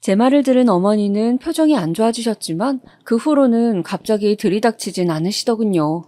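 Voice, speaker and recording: Woman, scripted story narration, steady even delivery, medium pitch, dry close sound. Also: no echo.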